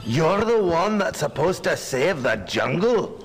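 A sneering jungle game character. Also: male voice, on the high side, sing-song, a little slow, creaky, exaggerated voice. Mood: mocking. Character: goggled jungle man, mocking and cocky. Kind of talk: 1990s video game acting. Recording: music-backed game clip.

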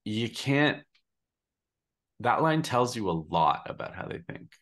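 A man's voice: medium pitch, very animated, slow pace, fairly bright tone. A man in his fifties, a podcast host, talking through ideas in a casual video-call discussion, searching for words as he goes. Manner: thoughtful, searching for words, gestures a lot. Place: home room on a video call.

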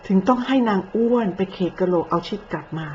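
A woman's voice: medium pitch, fast talker, darkish tone. A woman in the middle of her range lays into her targets with accusing, cutting commentary, moving from polite speech to crude speech. The recording sounds a little dull, with a faint hiss of noise behind her. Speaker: online commentator. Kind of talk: scolding commentary.

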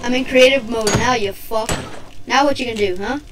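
Woman gamer, high voice, excitable, cursing, gameplay commentary. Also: brisk, background noise. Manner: excitable, swears often, talks to the game. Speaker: gaming channel host.

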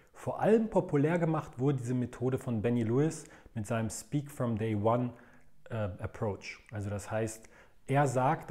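A man's voice: medium pitch, warm tone. A man teaching in a video lesson, laying out methods step by step in a methodical, explanatory way. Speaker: language learning coach.

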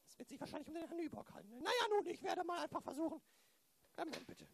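A man's voice: very high-pitched, animated, quick pace, creaky, slight background noise, exaggerated voice. A man playing a chatty, flustered older female receptionist in an improvised radio play, rambling and repeating herself.

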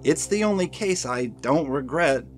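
Slow, haunted veteran federal agent played by a man. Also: on the high side, expressive, soft background music. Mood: grave. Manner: halting, grave, pleading. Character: weary, haunted senior male FBI agent. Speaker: voice actor in audio drama. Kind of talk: audio drama acting.

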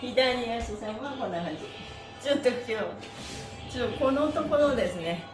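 Casting: middle-aged female exercise host, fairly high voice, bubbly and playfully polite, roomy live-stream sound over music. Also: normal speed. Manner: bubbly, animated, playfully polite, addressing body parts and objects with honorifics. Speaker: stretching class host and mime teacher. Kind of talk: upbeat live exercise lesson, chatting and counting out moves. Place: small room with mat on the floor, indoors. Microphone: phone or camera a metre or two away.

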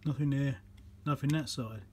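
A man's voice: mid-range voice, steady tone, normal speed, warm tone, slight background noise. Man muttering over a repair bench. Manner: muttering, thinking aloud while working. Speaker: electronics repair presenter. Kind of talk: casual workbench commentary. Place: electronics workbench indoors.

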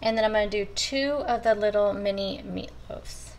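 A woman explains her meal prep step by step in a relaxed, friendly chat, talking straight to her viewers. Her voice sits at an ordinary middle pitch. A steady background noise runs under the home kitchen recording. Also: moderate pace, rough recording. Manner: chatty, addresses viewers as you guys. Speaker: cooking vlogger. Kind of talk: casual step-by-step cooking talk.

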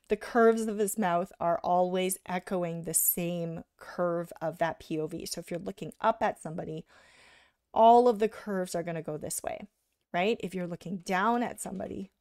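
Gravelly woman teaching drawing. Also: on the low side, moderate pace, darkish tone, dry recording, studio quality. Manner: casual, explains while drawing, says "right?" often. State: slightly hoarse from illness. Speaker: art instructor. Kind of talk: live drawing tutorial.

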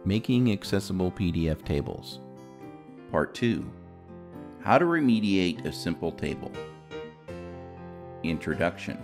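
Low-pitched man narrating a tutorial. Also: sing-song, measured pace, pauses often, over music. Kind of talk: scripted instructional narration.

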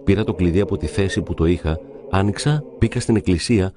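A man narrating devout stories in a calm, measured reading. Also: low-pitched. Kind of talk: reverent scripted reading of saints' stories.

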